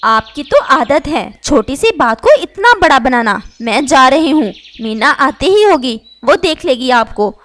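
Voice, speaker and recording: A woman's voice: sits high, very animated, a little slow, few pauses, fairly bright tone, full character voice. A woman voicing a rude, spoiled young female bird in a cartoon who talks back dismissively. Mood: irritated.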